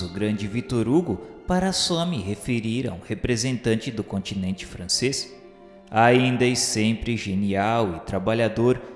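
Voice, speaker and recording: Male narrator, Brazilian accent, mid-range voice, formal and solemn radio-novel reading, heavy hall reverb. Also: mid-range voice. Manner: formal, literary delivery. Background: music.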